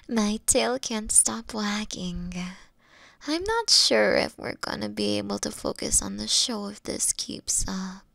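A woman voicing a playful, affectionate fox-witch girlfriend in an intimate roleplay audio, teasing and cooing with breathy asides. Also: medium pitch, slow, a bit bright, no echo, heavily acted. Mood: cozy, tender.

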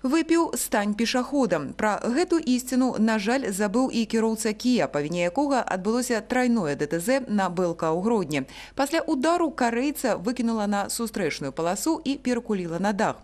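A woman with a Belarusian accent reading a scripted news report in a measured newsreader manner. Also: on the high side. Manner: measured, lively newsreader delivery.

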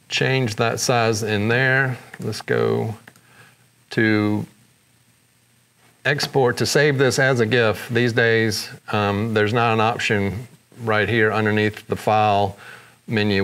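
A man with a fairly low voice narrates a screen-recorded editing tutorial. He moves step by step in an easygoing way, dropping in fillers as he goes. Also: takes it slowly, creaky. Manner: relaxed step-by-step explaining with fillers. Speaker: photography tutorial host.

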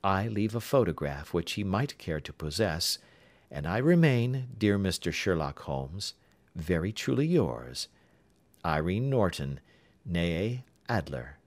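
A man reading aloud as a clever, composed young actress, poised and gently mocking. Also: sits low, very animated, takes it slowly, exaggerated voice. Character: clever, composed young woman, an actress writing a farewell letter.

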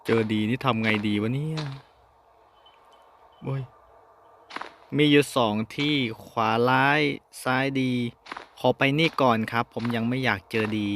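A man's voice: mid-range voice, unhurried, creaky, pauses often, a bit bright, slight background noise. A man hosting a horror game playthrough who chats politely to his viewers and yelps and swears when he gets startled. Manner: addresses viewers politely as ท่านผู้ชม. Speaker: gaming host. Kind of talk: horror game let's play commentary.

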